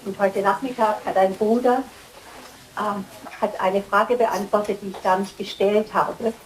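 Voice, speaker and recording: A woman's voice: mid-range voice, fairly even intonation, measured pace. A woman in an audience, hesitantly sharing something personal at a microphone. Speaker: audience member. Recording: echoey room with background noise.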